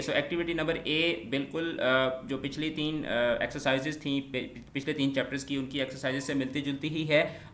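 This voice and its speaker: Bright-voiced male English tutor. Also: medium pitch, a little hiss or hum. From Pakistan. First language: Punjabi. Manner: sounds words out slowly, repeating each one many times. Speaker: English teacher. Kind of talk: online exam-prep lecture.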